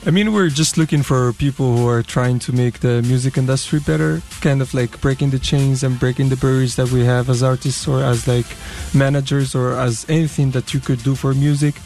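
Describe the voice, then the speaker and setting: A man's voice: medium pitch, a little fast, creaky, hardly any pauses, soft background music. A man from Morocco answering interview questions casually, hedging with "like" and "I mean". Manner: relaxed, hedging with fillers. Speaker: guest.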